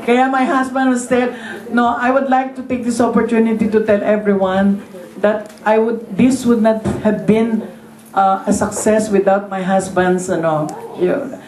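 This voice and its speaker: A woman's voice: a little high, level tone, measured pace, a little mellow. A woman in her sixties with a Filipino accent, chatting at a party into a handheld microphone and slipping Tagalog fillers into her English. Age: 60s. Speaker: event host. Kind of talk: casual remarks at a party. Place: crowded living room at a party. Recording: roomy room.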